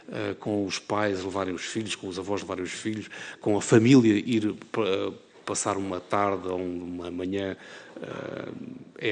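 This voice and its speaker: A middle-aged man from the Algarve with a European Portuguese accent, giving a formal address at a parliamentary hearing, measured and full of hesitations. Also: lowish voice, vocal fry, darkish tone, long reverb tail. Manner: measured, with many filler "eh"s and restarts. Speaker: member of parliament chairing a hearing. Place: parliament committee room.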